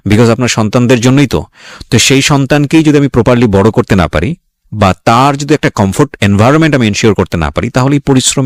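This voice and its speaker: A man's voice: mid-range voice, no echo. A male radio host speaking earnestly on a late-night call-in show, appealing directly to parents and young listeners.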